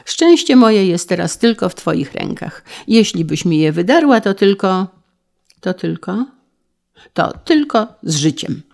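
A woman's voice: mid-range voice, expressive, unhurried, vocal fry, darkish tone. A woman voicing a desperate young man who pleads with his sister in an impassioned, trembling way, in a dramatized reading. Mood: pleading.

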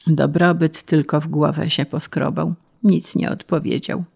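A woman narrating a folk tale in a deliberate, expressive way. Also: low-pitched, gravelly, slightly rough. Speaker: storyteller. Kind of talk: storytelling narration.

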